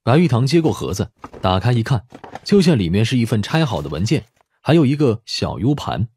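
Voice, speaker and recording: A man's voice: mid-range voice, very animated, fairly quick, darkish tone, slight background noise. A man narrating a scripted audiobook story as its narrator.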